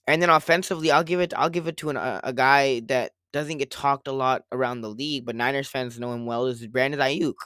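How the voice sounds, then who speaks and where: A man co-hosting a casual sports podcast, rambling and circling back to his points, a little hoarse after a cold. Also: mid-range voice, steady tone, fairly quick, hardly any pauses, a bit bright, dry recording, clean studio sound. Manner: rambling, repeats himself, quotes others. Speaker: podcast co-host.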